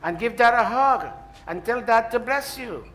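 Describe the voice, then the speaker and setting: High-voiced man directing a temple ceremony. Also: animated, moderate pace, fairly bright tone, faint music behind. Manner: directive, joking, apologetic asides. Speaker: temple priest leading a ceremony. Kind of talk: live ceremony directions to congregation.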